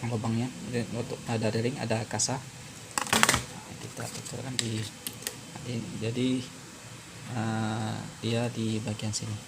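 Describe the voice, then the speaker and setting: A man narrating an informal hands-on repair tutorial as presenter, explaining step by step in a halting way with frequent pauses. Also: mid-range voice, level tone, heavy background noise.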